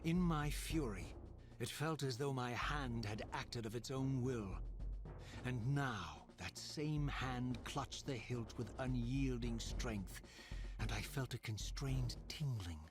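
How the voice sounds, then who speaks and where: An actor playing a brooding, vengeful undead spirit warrior, speaking in a grim, bitter, measured way. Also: male voice, medium pitch, natural voice. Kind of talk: video game cutscene acting and narration. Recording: game audio with clear music behind.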